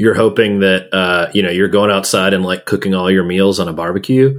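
A man with an American accent and a plain, everyday voice, fairly low in pitch, at a moderate pace with fairly even intonation. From Texas Gulf Coast. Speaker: energy policy consultant. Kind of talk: casual interview.

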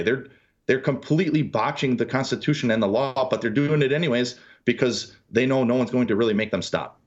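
In an unremarkable speaking voice with an American accent, a man talks at a fairly quick pace and medium pitch with ordinary pitch variation. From Milwaukee, Wisconsin. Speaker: suspended FBI agent and whistleblower. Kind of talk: interview.

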